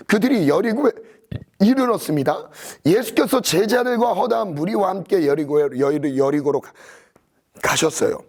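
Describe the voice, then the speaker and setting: A man preaching a sermon as pastor, reading scripture aloud and retelling it with lively emphasis. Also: breathy edge. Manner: animated preaching with scripture reading, pitch swinging high and low.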